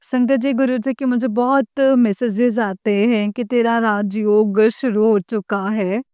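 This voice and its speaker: A woman's voice: a little high, steady tone, a little slow, warm tone, clean tone, no room sound, studio quality. A woman on the verge of tears, pleading with her guru again and again in an emotional devotional talk to her followers. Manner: pleading, repetitive, addresses her guru directly. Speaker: devotional channel host addressing followers.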